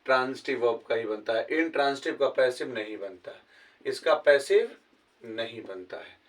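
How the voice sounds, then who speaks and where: A man's voice: mid-range voice, animated, moderate pace, distant mic. A male English teacher giving a grammar lesson with a Hindi accent, explaining step by step and often asking his students whether they have understood. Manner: asks many rhetorical questions to check understanding.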